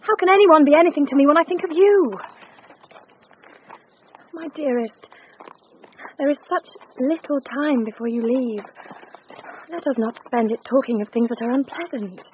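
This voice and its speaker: A woman's voice: high voice, moderate pace, long pauses, lightly acted. An actress playing an earnest young woman in love, speaking tenderly in a radio drama. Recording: dull broadcast audio, faint hiss.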